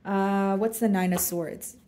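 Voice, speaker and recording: A woman giving a casual tarot reading, chatty and relaxed, talking through the cards as she draws them. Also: medium pitch, unhurried, reverberant, slight background noise. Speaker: tarot reader.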